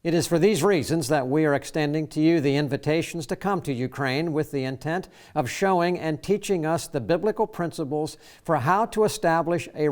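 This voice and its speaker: A man hosting a faith-based talk program, his voice sitting a little high for a man. He reads in a measured, formal way. When he speaks off the cuff he trips over fillers. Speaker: radio show host. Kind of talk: scripted program introduction and interview.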